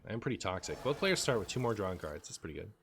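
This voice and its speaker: A man's voice: fairly low pitch, very animated, fast talker, a bit bright. A man casually commentating a live game stream, playful with dry asides. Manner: playful, hammy mock outrage and dry asides. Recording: faint background noise.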